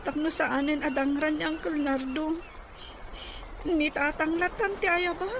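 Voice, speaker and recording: Clear noise surrounds an actress playing an understanding young niece. Her voice is extremely high, Ilocano-accented and delivered as radio drama. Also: fairly even intonation, unhurried. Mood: hurt, accepting. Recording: clearly noisy ambient background.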